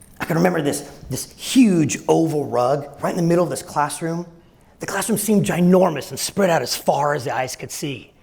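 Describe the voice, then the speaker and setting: In an animated tone, a man talks at a fairly quick pace and a high pitch, with very wide pitch swings and audible room echo. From Los Angeles, US. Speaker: pediatric dentist. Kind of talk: lecture.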